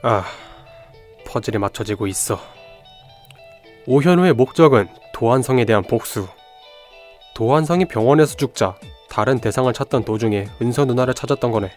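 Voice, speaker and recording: A young man playing a sharp amateur detective who lays out deductions in an analytical, assured way in an audio drama. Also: mid-range voice, lively intonation, moderate pace, pauses often, faint music behind, natural voice. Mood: deducing. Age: young adult. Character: sharp young male amateur detective, piecing clues together.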